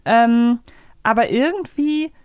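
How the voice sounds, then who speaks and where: A woman's voice: fairly high pitch, slow pace, darkish tone, smooth, no room sound, dull audio. A woman co-hosting a podcast, chatting casually as she recaps a story. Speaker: podcast co-host. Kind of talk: casual chat recapping an episode.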